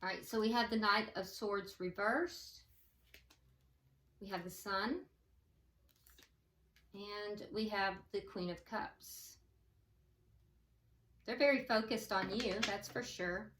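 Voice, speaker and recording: A woman giving a tarot reading like a fortune teller, thinking aloud haltingly and advising the listener directly. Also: medium pitch, fairly bright tone, slight background noise. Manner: hesitant, thinking aloud as cards are read. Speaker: tarot reader. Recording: roomy echo, distant from the mic.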